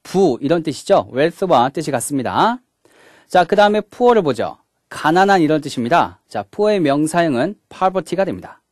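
Man, grammar teacher, video lecture, lively rising and falling voice, dry close sound. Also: fairly high pitch, unhurried, no room sound. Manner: explains step by step, opening each point with "자"; mixes English words into the explanation.

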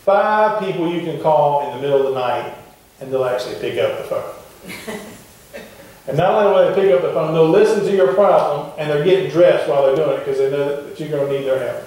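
A middle-aged man delivers a sermon in a chatty, questioning manner, his voice a touch higher than most men's. He is recorded from a distance at the back of a wooden church sanctuary. The room rings with heavy echo. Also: moderate pace, darkish tone. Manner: conversational, asks the congregation questions. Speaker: pastor. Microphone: far camera at the back of the church. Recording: echoey church heard from far off.

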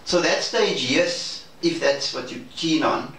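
A man's voice: on the high side, gravelly, fairly bright tone. A man discussing plans in a casual meeting, choosing his words carefully and hesitantly. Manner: deliberate, hesitant, careful phrasing. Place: indoor room, off camera. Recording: very echoey, distant mic, faint noise.

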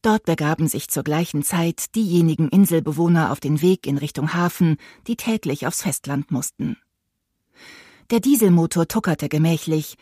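A woman reading an audiobook in a steady, even storytelling manner. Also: low voice, slightly rough, no echo, studio quality. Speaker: audiobook narrator. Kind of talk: scripted audiobook narration.

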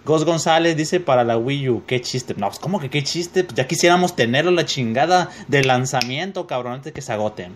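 A man's voice: mid-range voice, moderate pace, few pauses. Profane Mexican man reading comments. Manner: profane, joking, reads comments aloud with laughs. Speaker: gaming youtuber reading comments. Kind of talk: casual screen-reading commentary.

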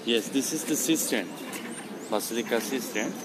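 A man's voice: mid-range voice, moderate pace. A man with a Turkish accent, a carpet seller chatting with tourists in friendly, broken English. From Turkey. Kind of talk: casual street conversation. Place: outdoor city street. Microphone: vlogger's phone nearby. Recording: loud outdoor street noise.

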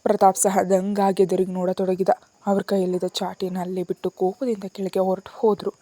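A woman narrates a storybook tale in a steady, even way. Her voice is mellow and warm, never sharp, with a middle pitch that suits long listening. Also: a little fast.

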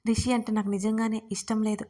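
A woman narrator voicing a gravely ill young woman who speaks wearily and quietly. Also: fairly high pitch, level tone, quick pace, lightly acted. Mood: weary. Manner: weary, quiet, resigned.

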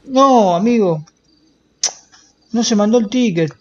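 A man with an Argentine accent streaming a roleplay game, swearing constantly and breaking into loud wails. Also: high voice, takes it slowly, highs cut off. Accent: Rioplatense Argentine. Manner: profane, excitable, bursts into loud wailing. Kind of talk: casual gaming chat.

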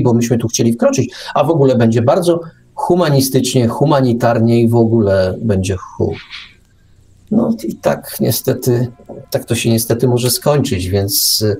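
A man's voice: mid-range voice, warm tone, slight background noise. A man co-hosting a talk show, giving an opinionated, sarcastic monologue with emphatic rhetorical questions and repeated words. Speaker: radio show co-host and commentator.

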